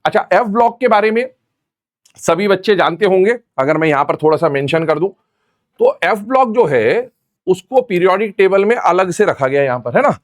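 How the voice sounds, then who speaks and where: Fairly high-voiced male teacher. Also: lively intonation. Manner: repeats mnemonics slowly, calls students "beta". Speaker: chemistry teacher. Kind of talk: classroom lecture.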